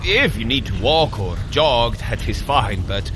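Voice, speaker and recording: A man plays a hearty, commanding god of thunder with a mid-pitched, very animated voice. He speaks in theatrical heroic diction, like an audio adventure drama, over clearly noisy ambience. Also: a little slow, close to an everyday voice. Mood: encouraging, wry. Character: hearty, commanding Norse thunder god, protective older brother.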